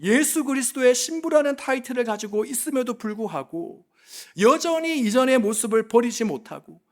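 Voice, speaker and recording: High, animated preaching man. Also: moderate pace. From South Korea. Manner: impassioned, pleading preaching with rhetorical questions. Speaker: pastor. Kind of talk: sermon.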